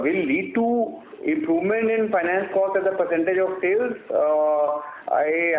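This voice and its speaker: A man with an Indian accent answering as a company executive on an earnings call, formal and measured, with hesitant phrasing. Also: fairly high pitch. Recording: roomy, band-limited phone line with noise.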